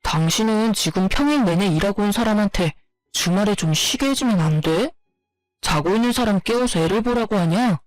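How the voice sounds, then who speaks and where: A voice actor playing a self-centered young husband and father hooked on games, who talks in an irritable, whiny, dismissive way. The voice is even and close, with a dry sound. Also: medium pitch, moderate pace, dry recording, soft background music, lightly acted. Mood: grumbling.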